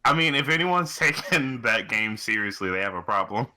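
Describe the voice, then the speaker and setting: A man's voice: fairly low pitch, expressive, normal speed, bright, forceful tone. A man co-hosting a casual podcast chat in a laid-back, wry, joking way. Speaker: podcast co-host.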